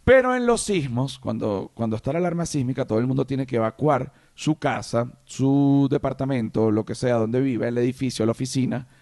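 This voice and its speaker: A man's voice: mid-range voice, a little fast, hardly any pauses, darkish tone, no room sound, clean studio sound. A man hosting a podcast, telling a rambling comic story and swearing casually. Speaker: podcast host. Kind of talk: comic monologue.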